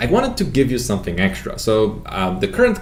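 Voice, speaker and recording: A man's voice comes through with audible room echo, noticeable background noise running beneath it. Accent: non-native. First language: not English. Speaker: 3D modeling instructor. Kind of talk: live webinar tutorial. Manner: hesitant, many fillers.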